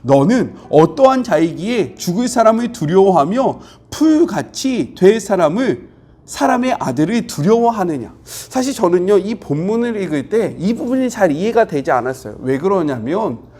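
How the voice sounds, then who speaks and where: A man's voice: high voice, sing-song, normal speed, a little mellow. A middle-aged man preaching a devotional sermon as a pastor, explaining scripture earnestly and voicing the quoted lines with growing intensity.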